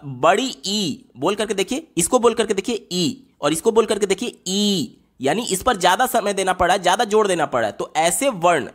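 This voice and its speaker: A man's voice: high-pitched, a bit bright. A man teaching through exam questions step by step, posing questions and answering them himself while he writes on a board. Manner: explains step by step, asks and answers his own questions, repeats "theek hai?". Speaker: teacher solving exam papers. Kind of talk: exam-paper lesson explanation.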